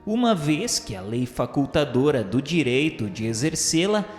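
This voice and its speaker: A man's voice: medium pitch, big pitch swings, moderate pace, a little mellow. A man narrating a radio drama in a formal, literary storytelling manner. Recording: echoey hall with background music.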